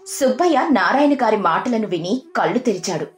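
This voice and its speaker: A woman's voice: on the high side, lively intonation, moderate pace. Echoey woman narrating a story. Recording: roomy echo, music underneath.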